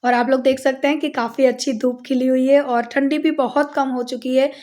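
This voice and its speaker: A woman's voice: high-pitched, steady tone, brisk, warm tone. A young woman from India chatting casually to viewers about her household routine in a home vlog. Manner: chatty, addresses viewers directly. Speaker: family vlogger.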